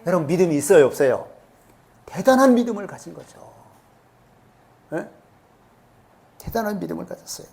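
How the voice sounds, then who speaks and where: A man's voice: sits high, animated, normal speed, vocal fry, long pauses, darkish tone. A male pastor preaching a sermon in a church, often asking the congregation questions. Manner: asks the congregation rhetorical questions. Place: church sanctuary.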